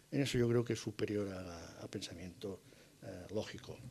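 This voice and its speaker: A man with a Mallorcan accent speaks in a dark, mellow tone with ordinary pitch variation. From Mallorca, Spain. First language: Mallorcan Catalan (speaking Spanish). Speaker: writer and essayist. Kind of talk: public conversation.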